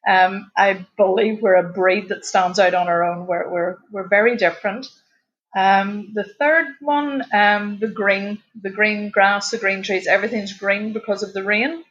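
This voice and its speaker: A woman's voice: medium pitch, steady tone, a little slow, a bit bright, highs cut off. Northern Irish woman, lightly Aussie-tinged. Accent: Northern Irish, slightly Australian-tinged. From Northern Ireland. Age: 50s. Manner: chatty, laughs easily, fillers. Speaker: podcast guest. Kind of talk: casual interview chat.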